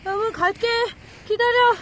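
A woman in her thirties talks straight to her viewers, bursting into squeals and playful teasing. Her voice sits very high. The handheld outdoor recording carries a noticeable hiss of wind and noise. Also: normal speed. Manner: excitable, squealing exclamations, playful. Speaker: camping vlogger. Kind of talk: casual vlog chat to viewers. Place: frozen river outdoors in snow. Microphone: handheld camera.

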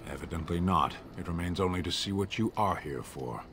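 Very deep, stern giant warrior. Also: male voice, normal speed, slight background noise. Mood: cold, unimpressed. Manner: terse, deadpan. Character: stern, blunt giant warrior man in heavy armour. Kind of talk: fantasy video game acting.

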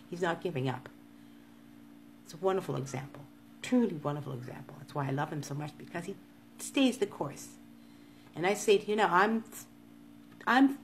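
There's a little hiss or hum behind this fairly low-pitched woman's voice. She is in her fifties and gives live-stream viewers a casual monologue, earnestly repeating encouraging urges.

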